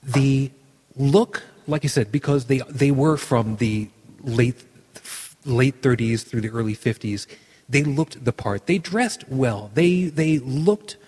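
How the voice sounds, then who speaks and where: A man with a husky, breathy voice hosts a casual podcast chat. He is easygoing and agreeable, stumbling over his words as he goes. His voice trails off into long reverb. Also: mid-range voice, slow pace. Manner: relaxed, agreeable, stammering restarts. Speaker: podcast host. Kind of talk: casual conversation.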